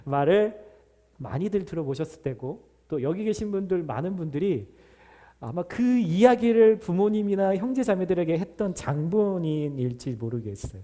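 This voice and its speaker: A middle-aged male pastor preaching in a church, his voice sitting a little high for a man yet dark and mellow in tone. He speaks conversationally and tells his stories with frequent hesitant fillers. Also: expressive, normal speed. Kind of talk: sermon with prayer. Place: church sanctuary.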